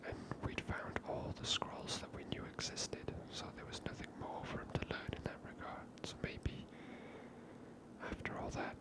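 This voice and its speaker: A woman whispers breathily in a hushed, casual, musing way as she hosts an ASMR video game playthrough. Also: moderate pace. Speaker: host of a gameplay series. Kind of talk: ASMR gameplay commentary.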